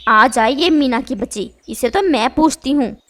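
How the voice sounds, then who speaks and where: A woman's voice: high voice, lively intonation, normal speed, fairly bright tone, slight background noise. A woman voicing a stern mother bird in a cartoon, who scolds and plays favorites. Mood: angry.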